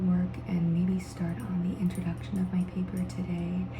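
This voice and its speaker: At a moderate speed, a whisper is heard against noticeable background noise. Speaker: law student. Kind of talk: ASMR study-with-me talk. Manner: whispered.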